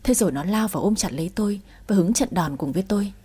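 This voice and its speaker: A woman's voice: mid-range voice, lively intonation, fast, warm tone, slightly rough. A woman narrating a first-person family drama story and voicing its characters.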